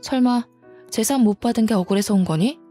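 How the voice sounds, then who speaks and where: A woman's voice: on the high side, brisk, dark tone, soft background music, close to an everyday voice. A woman voicing a cold, arrogant older sister who talks down with contempt. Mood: scornful. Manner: contemptuous, scolding.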